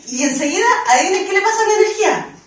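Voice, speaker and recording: A woman's voice: extremely high pitch, animated, very fast. A woman giving a conversational motivational talk, often checking in with the audience and acting out inner voices. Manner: acts out quoted inner voices and dialogues. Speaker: speaker giving a talk on limiting beliefs. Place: conference hall. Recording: roomy hall from a distant mic, faint noise.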